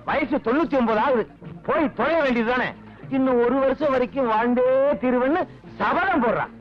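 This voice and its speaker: Sarcastic cop husband, high voice, old muffled film audio, music under it. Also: male voice. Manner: sarcastic, deadpan retorts. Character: bickering sarcastic policeman husband. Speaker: policeman husband. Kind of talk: 1980s Tamil film comedy acting. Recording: dull lo-fi old film soundtrack.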